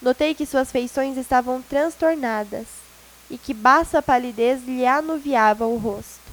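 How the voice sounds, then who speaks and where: A woman narrates a classic novel as an audiobook, measured and expressive in her delivery. Her voice is high and light, and she keeps a steady, literary storytelling tone. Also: poor audio. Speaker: audiobook reader.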